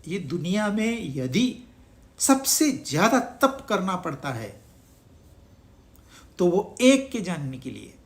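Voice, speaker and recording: Spiritual teacher, unhurried, lively melody, rhetorical questions, scripture talk. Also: medium pitch. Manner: asks the listeners rhetorical questions; mixes in English words. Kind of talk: Hindi discourse on scripture.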